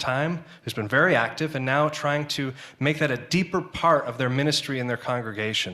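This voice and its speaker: A man's fairly high voice, bright and sharp in tone. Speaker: seminary center director and minister. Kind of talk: presentation to an audience. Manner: fast.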